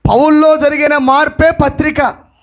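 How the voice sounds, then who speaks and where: A male pastor preaching an impassioned sermon, dropping in English phrases and shouting the lines he wants to stress. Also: very high voice, level tone, a little slow.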